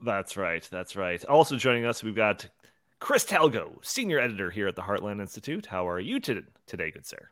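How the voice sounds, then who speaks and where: Animated male podcast host, dry close sound. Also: fairly low pitch, a little fast, no room sound. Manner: informal, joking. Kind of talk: casual live podcast hosting.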